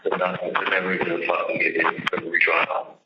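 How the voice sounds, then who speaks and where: A man's voice: sits low, level tone, brisk, very noisy. A man venting casually and profanely on a phone call, agitated and emphatic, often repeating himself. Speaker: jailed caller on a recorded phone call. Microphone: telephone. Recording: dull lo-fi recorded jail phone call.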